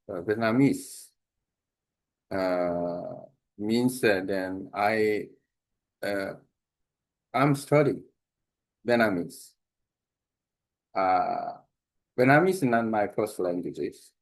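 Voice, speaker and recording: A man with a Korean accent, a native Korean speaker, giving an informal spoken lesson on language learning, halting with many fillers and restarts. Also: lowish voice, low-quality recording. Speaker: language exchange host.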